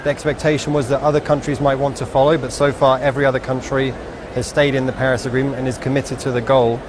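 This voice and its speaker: A man's voice: medium pitch, little pitch movement, quick pace. A man from the United Kingdom, a summit delegate, explaining his views steadily in a street interview. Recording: outdoor noise.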